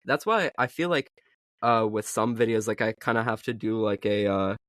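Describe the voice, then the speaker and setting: A man's voice: on the low side, expressive, a bit bright, dry recording. Young man chatting, heavy with fillers. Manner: halting, filler-heavy, lots of "like". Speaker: podcast co-host and video creator. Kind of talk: casual podcast chat.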